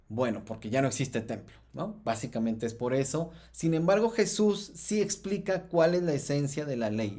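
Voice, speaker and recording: A man's voice: medium pitch, mellow. Mexican man teaching on a Christian podcast. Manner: thoughtful, many fillers and restarts, rises in emphasis.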